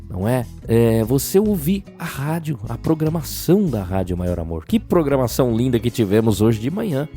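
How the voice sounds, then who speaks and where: Slightly hoarse, low-voiced Brazilian man. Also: dark tone. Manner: chatty, frequent tag questions. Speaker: radio host. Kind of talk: casual religious radio show.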